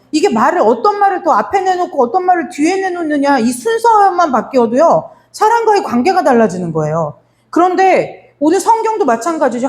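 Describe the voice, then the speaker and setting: Animated woman preaching a sermon. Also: high voice. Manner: storytelling with acted-out dialogue; direct address to the congregation. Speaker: pastor.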